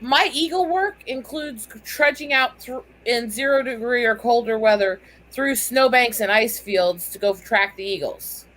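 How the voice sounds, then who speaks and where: A woman's voice: on the high side, measured pace, a bit bright, poor audio. A woman from the Black Hills with an American accent, chatting casually and emphatically, swearing freely. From Black Hills, United States. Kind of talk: casual chat.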